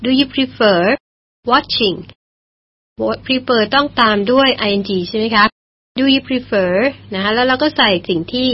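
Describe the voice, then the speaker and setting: A woman teaching English in a radio lesson, patiently explaining and repeating phrases slowly. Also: on the high side, steady tone. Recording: dull lo-fi broadcast recording.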